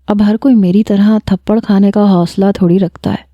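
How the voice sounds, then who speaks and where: A woman narrating a first-person romantic story with a lively, expressive reading. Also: medium pitch, no room sound, highs cut off.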